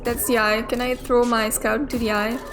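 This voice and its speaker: This is casual let's play commentary from a young woman whose voice sits on the high side. She talks briskly with a flat delivery, cursing now and then as she reasons out loud, while game music and other background noise come through clearly.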